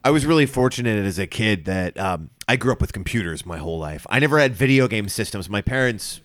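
A man's voice: fairly low pitch, lively intonation, fairly quick, fairly bright tone, no room sound. A man co-hosting a podcast, telling stories in casual chat and swearing freely. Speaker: podcast co-host.

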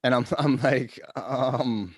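A man co-hosting a podcast, chatting casually and telling stories in an animated way with many restarts. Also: mid-range voice, slow pace, husky, no room sound, studio quality. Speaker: podcast co-host. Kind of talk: casual chat, storytelling.

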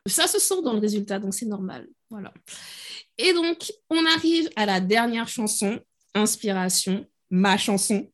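Woman host, casual, eager fan energy, mid-pitched voice. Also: measured pace. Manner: enthusiastic, animated, self-described fangirl. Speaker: podcast host. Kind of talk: casual chat.

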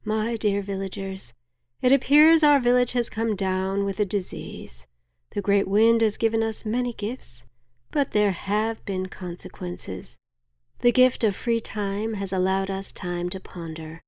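A calm village elder addresses frightened villagers in an even, measured way, as a woman narrator puts the voice on. The sound is close and dry. It is a storybook leader's voice, kept near the narrator's own. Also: medium pitch, no room sound, close to an everyday voice. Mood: grave.

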